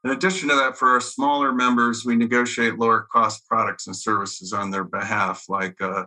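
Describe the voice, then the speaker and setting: A man's voice: mid-range voice, little pitch movement, moderate pace, sharp tone. A man who leads a trade association, introducing it in a businesslike, list-like way. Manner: businesslike, listing facts. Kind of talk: panel self-introduction.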